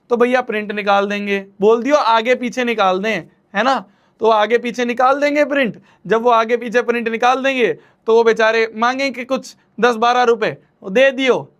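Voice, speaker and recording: A young man teaches a maths lesson with a high voice. He talks playfully, often repeating his questions and teasing his students as he works through problems. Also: highs cut off. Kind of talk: online class lecture.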